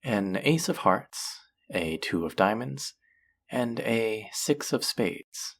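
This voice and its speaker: A woman voices a seductive demon dealer from an underworld casino in an audio roleplay. The voice sits low and crackles with fry, lingering unhurriedly over each tease. The delivery is flirty, possessive and taunting, sliding up and down as if toying with a captive player. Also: lively intonation, heavily acted. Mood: teasing, inviting. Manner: slow, teasing, flirtatious, taunting. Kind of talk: flirty roleplay audio drama, intimate one-on-one.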